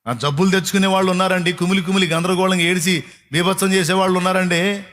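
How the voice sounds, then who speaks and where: A man's voice: high voice, steady tone, fast talker, a bit bright. A man preaching a sermon to a congregation, emphatic and repetitive, firing rhetorical questions. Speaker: pastor.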